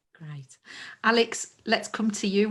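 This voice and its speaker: This woman speaks in a Birmingham accent at a medium pitch. Her delivery is fairly slow and somewhat breathy. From England, Birmingham. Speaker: interviewer, academic. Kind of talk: interview.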